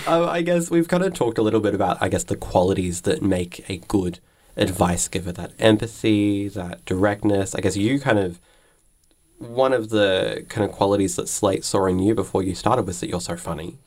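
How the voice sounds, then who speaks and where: A man's voice: lowish voice, moderate pace, a little mellow. A man working as an interviewer, asking casual, roundabout questions in a tentative, hedging way.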